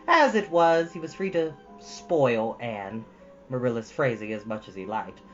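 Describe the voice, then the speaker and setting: A woman's voice: a bass voice, big pitch swings, normal speed, dull audio, soft background music. A woman hosting storytime, reading expressively and chatting casually to listeners. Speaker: storytime host and reader.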